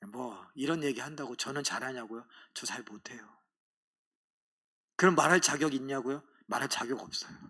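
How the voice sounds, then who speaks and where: A man's voice: mid-range voice, moderate pace, sharp tone, husky. A middle-aged man, a pastor, preaching a sermon in a church, telling stories animatedly and mimicking other people's voices. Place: church sanctuary.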